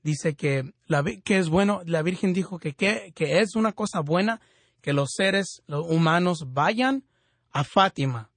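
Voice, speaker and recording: A man's voice: sits high, measured pace, a bit bright, no room sound. A man hosting a Catholic radio show, speaking fervently in prayer and teaching with frequent restarts. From California.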